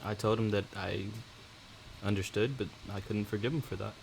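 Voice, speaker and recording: A man playing a tabletop game, speaking conversationally in character with a hesitant, halting delivery. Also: lowish voice, steady tone, creaky, slight background noise, poor audio. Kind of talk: conversational in-character role-play.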